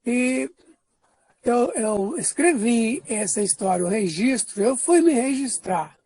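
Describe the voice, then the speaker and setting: An older man from Brazil telling a personal life story in an unhurried way, pausing and restarting often. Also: very high voice, animated, darkish tone, breathy edge, no room sound. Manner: unhurried, with frequent pauses and restarts. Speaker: interviewee giving a life testimony.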